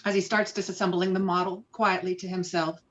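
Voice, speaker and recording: Lowish-voiced woman narrating a script, slightly dull sound. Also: level tone, fairly quick. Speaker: narrator reading stage directions. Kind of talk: scripted narration at table read.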